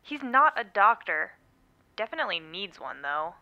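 A woman's voice: mid-range voice, big pitch swings, moderate pace. A woman playing a curt, bored hospital receptionist, heard through a telephone filter. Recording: tinny phone line.

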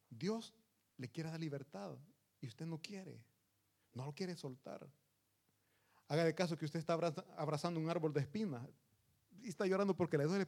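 A man's voice: a little high, a little mellow. A man preaching a sermon in an earnest, emphatic manner, speaking to the congregation as his brothers.

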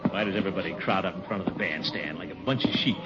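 An actor playing a pompous, blustering middle-aged water commissioner in a 1950s radio sitcom, boastful and chuckling. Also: male voice, deep voice, very fast, heavy background noise, close to an everyday voice. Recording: dull old radio broadcast recording.

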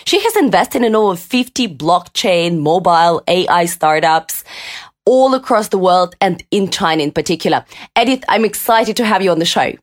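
A woman's voice: fairly low pitch, very animated, normal speed. Upbeat woman podcast host. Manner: upbeat, encouraging backchannels. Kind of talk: interview hosting.

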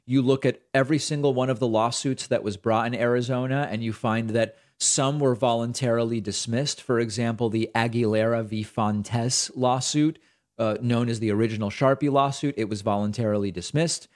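A middle-aged man from the United States hosts a political commentary show with a sarcastic, exasperated edge. His voice sits at an ordinary middle pitch, and his talk runs loose and conversational, with asides and flat put-downs. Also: normal speed. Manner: sarcastic, exasperated, reads quotes aloud with emphasis.

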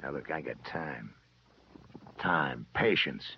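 An actor playing a menacing gangster boss in a 1950s radio drama, with tough slangy speech that swings from quiet to loud. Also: male voice, extremely low pitch, animated, takes it slowly, creaky, heavily acted. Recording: dull old radio recording with faint hiss.

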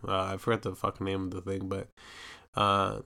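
A man's voice: sits low, monotone, normal speed, gravelly, pushed and bright. A young man from Canada, hosting a podcast and telling a rambling personal story, full of filler tags and swearing, acting out what people said. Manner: acts out quoted voices animatedly. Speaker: podcast host. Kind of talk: casual storytelling monologue.

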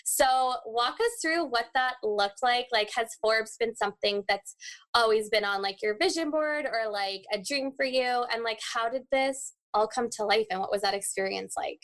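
Higher-voiced woman, effusive podcast host. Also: moderate pace, a bit bright. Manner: effusive, informal, frequent "like". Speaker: podcast host interviewing a guest. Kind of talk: casual, chatty interview.

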